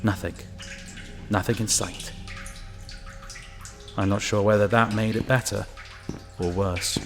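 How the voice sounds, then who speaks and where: Man acting as male sewer inspector, lowish voice, uneasy, musing to himself, first-person audio drama narration, prominent background music. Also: steady tone, slow pace. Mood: brooding, watchful narration.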